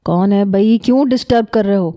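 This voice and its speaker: A woman's voice: mid-range voice, dark tone, lightly acted. A woman voicing a playful, scheming young man in a read-aloud story, with a breezy, teasing manner. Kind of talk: storybook reading.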